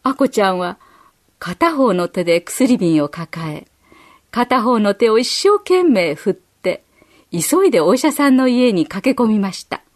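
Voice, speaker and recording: A woman narrating a children's story in a gentle, measured storytelling manner. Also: fairly high pitch, sing-song. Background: faint music.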